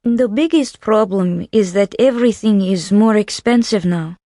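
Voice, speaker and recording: A woman giving a scripted interview answer in a measured, unhurried way. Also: mid-range voice, warm tone, no echo, studio quality. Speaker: interviewee in a listening exercise.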